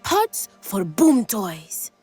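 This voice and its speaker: An actress voicing a manic, cheerful young woman in a video game, excitable and giggly, with a gleeful passion for explosives. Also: mid-range voice, very slow, breathy edge, faint music behind, heavily acted. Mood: chatty, earnest. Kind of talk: video game character acting.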